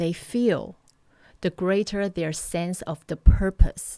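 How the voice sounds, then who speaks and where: A woman with a Mandarin accent speaks at a very slow pace in a medium pitch. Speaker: life coach. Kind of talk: online training presentation. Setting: online webinar. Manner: animated.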